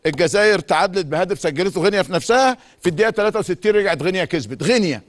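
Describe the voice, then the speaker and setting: A man's voice: high-pitched, lively intonation. A middle-aged man with an Egyptian Arabic accent, a sports talk show host delivering an emphatic monologue full of repeated insistent phrases. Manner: rapid, emphatic, repetitive insistence. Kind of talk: monologue commentary.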